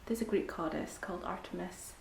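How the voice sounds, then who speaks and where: This book vlogger is a young Scottish woman whose gravelly voice sits on the low side and moves briskly. Recording at home for a reading vlog, she chats casually, fills pauses with ums, and now and then sinks to a near-whisper, all in an echoey room with faint background hiss.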